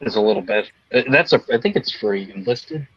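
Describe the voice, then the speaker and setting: A man's voice: medium pitch, animated, brisk, husky, no echo. A man in his thirties co-hosting a gaming podcast, dropping dry one-liners. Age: 30s. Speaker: podcast co-host. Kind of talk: casual gaming chat. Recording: dry dull lo-fi mic.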